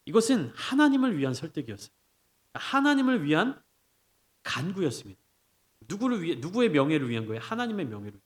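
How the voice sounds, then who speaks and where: A man preaching a sermon as pastor, explaining step by step, asking rhetorical questions, and rising to emphatic peaks before dropping to soft asides. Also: on the high side. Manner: animated preaching, swings between raised emphatic lines and soft drops.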